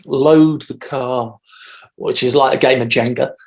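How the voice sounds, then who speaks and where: Gravelly-voiced man, measured. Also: medium pitch, fairly even intonation. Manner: measured, frequent "um" fillers. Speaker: DJ and podcast guest. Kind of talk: casual interview answers. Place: home room on video call.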